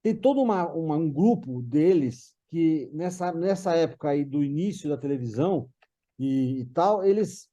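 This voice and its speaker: A mature Brazilian man reminiscing casually in conversation, halting and restarting his phrases. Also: on the high side, animated, warm tone. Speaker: guest recalling a parent's career.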